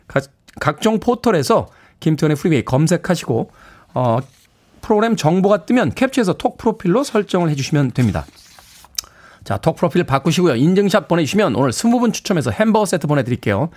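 A man's voice: sits high, fairly quick. Playful male radio DJ. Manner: lively, playful, laughs often. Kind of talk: radio show hosting. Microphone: studio microphone.

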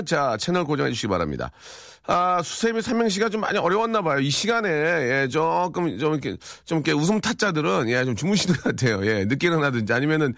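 Playful male radio host, lively pitch. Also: dry recording, clean studio sound. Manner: playful, rambling, with many fillers. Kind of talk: casual radio chat reading listener texts. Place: radio studio.

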